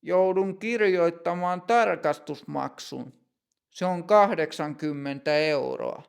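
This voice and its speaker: A firm ticket inspector speaks in a strict, even tone, put on by a male narrator. His voice is fairly high, with a gravelly edge. He is a no-nonsense figure in a language-learning story. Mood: stern. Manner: firm, stern.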